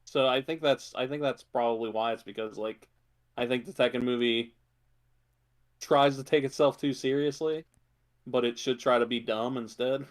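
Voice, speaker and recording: A man's voice: medium pitch, steady tone, moderate pace. A man co-hosting a podcast in casual chat, laid-back and a little hesitant. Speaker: podcast co-host.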